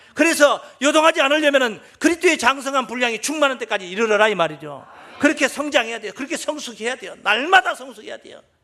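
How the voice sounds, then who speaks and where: In a raised, projected voice of extremely high pitch, a man races along at a very fast pace with hardly any pauses, his tone animated, his intonation lively, and his loudness swinging widely. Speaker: pastor. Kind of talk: sermon. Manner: animated, emphatic with audience prompts.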